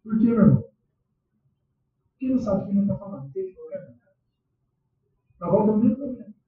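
Preaching a sermon in a fast, animated and loose style, a pastor with a Brazilian Portuguese accent throws questions out to his congregation. His high voice echoes heavily around the church, picked up by a dull, far-off mic.

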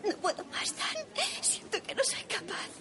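A woman's voice: mid-range voice, animated, brisk, lightly acted. A woman voicing a polite, worn-down young mother, crowd noise behind. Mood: despairing.

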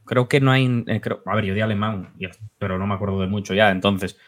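A man's voice: fairly low pitch, flat delivery. A man co-hosting a podcast, presenting songs and commenting in casual conversation. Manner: presenting songs, quick remarks. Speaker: podcast co-host. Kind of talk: casual chat.

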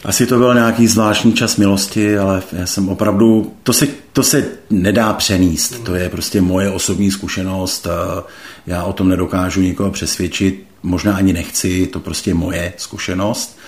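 Deep-voiced man giving slow testimony. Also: steady tone. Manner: slow, hesitant, thoughtful, many pauses and fillers. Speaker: interview guest. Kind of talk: reflective personal testimony.

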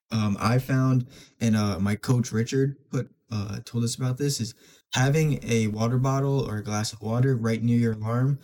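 A man's voice: medium pitch, dark tone. A young man with a stuffy, congested nose hosts a solo self-improvement podcast, talking casually with frequent fillers and restarts. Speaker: podcast host.

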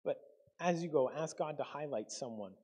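Husky-voiced man preaching a casual sermon. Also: fairly high pitch, moderate pace, dark tone. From Canada. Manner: conversational, with frequent ums and self-corrections. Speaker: pastor.

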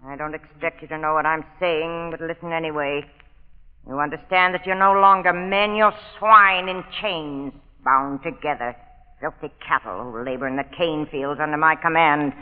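An actress playing a cruel, imperious plantation mistress in old radio drama style, with a commanding, theatrical delivery. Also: female voice, sits low, normal speed, smooth, lightly acted. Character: cruel, imperious female plantation mistress enslaving drugged men. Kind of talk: 1940s radio drama acting. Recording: old muffled radio recording, long reverb.

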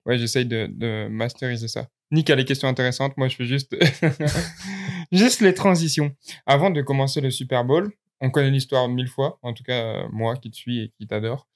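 Brief: Québécois man, easygoing co-host, middle-pitched voice. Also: moderate pace. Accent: Québécois French. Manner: relaxed, laughs easily, leads with questions. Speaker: podcast host. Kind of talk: casual interview chat.

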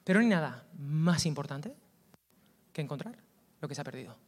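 A man with a Valencian Spanish accent, preaching a lively, colloquial sermon that swings from loud outbursts to hushed asides. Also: a little high, fairly quick. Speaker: pastor.

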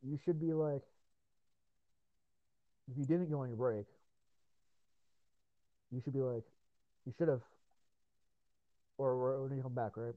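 Tired, rambling podcast host on a tinny line. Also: male voice, mid-range voice, fairly even intonation, measured pace, long pauses, no room sound. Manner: profane, rambling, laughs often. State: tired voice after hours of talking. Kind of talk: casual podcast chat.

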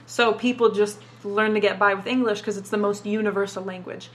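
A woman's voice: medium pitch, fairly even intonation, fairly quick. A young woman who grew up in Dubai and speaks Arabic as her first language, answering questions in a casual interview and swearing freely as she talks. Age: young adult. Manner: casual, swears a lot, says "like" often.

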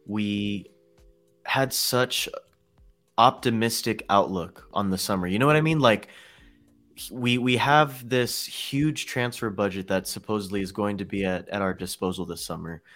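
A man's voice: on the low side, a bit bright. A man co-hosting a casual fan podcast, talking earnestly and in detail. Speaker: podcast co-host.

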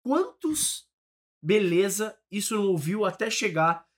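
Brief: male guest, high voice, rambling reflective talk, swears freely. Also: big pitch swings, a little slow. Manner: thinking aloud, restarts, swears casually. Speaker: comedy group member. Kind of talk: casual interview chat.

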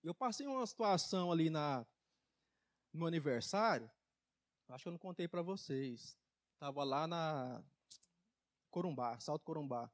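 A man preaching a folksy testimony sermon in church, emphatic, with loudness and pitch that swing widely. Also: lively intonation, moderate pace, pauses often. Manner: folksy, laughs at his own jokes. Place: church service.

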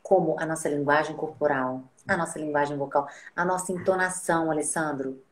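Woman speech therapist, lively explainer, lower pitch, roomy echo. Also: fairly quick. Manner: animated, acts out quoted speech. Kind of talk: conversational interview.

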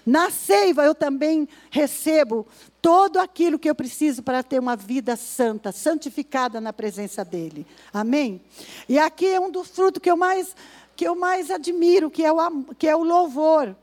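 Woman preacher, high voice, slow weighty scripture reading, mimics complainers. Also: a little mellow. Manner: acts out complaining voices in asides. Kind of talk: sermon at a women's service.

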